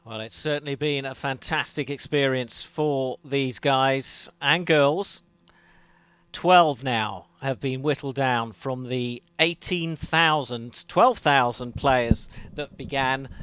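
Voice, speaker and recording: A man with a smooth, clear voice hosts live event commentary, and he sounds upbeat and enthusiastic throughout. The sound is dry and close, with no room echo. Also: mid-range voice, slow pace, a bit bright. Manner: upbeat, enthusiastic, some filler words. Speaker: esports commentator and host. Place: gaming center event studio.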